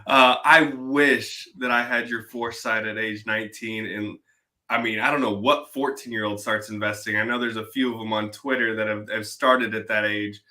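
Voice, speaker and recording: A man's voice: lowish voice, steady tone, moderate pace. A middle-aged man chatting on a podcast, encouraging a younger guest. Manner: warmly encouraging. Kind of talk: casual podcast chat.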